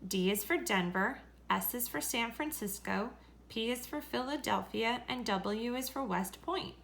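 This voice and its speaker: A woman reading a children's story aloud in a deliberate, expressive way. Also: fairly high pitch, creaky, slight background noise. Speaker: story reader.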